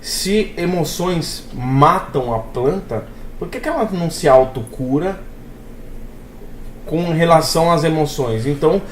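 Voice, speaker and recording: Male co-host, São Paulo accent, teasing and playful, lively tone, echoey room. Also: fairly high pitch, a little slow, a little hiss or hum. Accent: São Paulo Portuguese. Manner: joking, teasing, says "cara" a lot. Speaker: podcast co-host. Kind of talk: casual chat.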